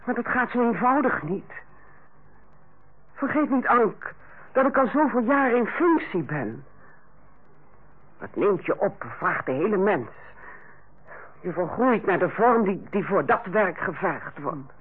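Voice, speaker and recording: Radio drama role: strict, fussy ward sister, high animated delivery, husky edge, dull old recording. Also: female voice, unhurried, long pauses. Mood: defensive. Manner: bossy, precise, matter-of-fact. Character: strict, fussy senior hospital nurse, Carla, on holiday. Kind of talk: old Dutch radio play acting.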